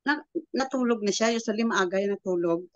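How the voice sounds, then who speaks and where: A woman in her seventies sharing a personal testimony with a prayer group. She tells it in a halting, rambling way and acts out the quoted dialogue. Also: mid-range voice, no room sound, dull audio. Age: 70s. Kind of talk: personal testimony, casual storytelling.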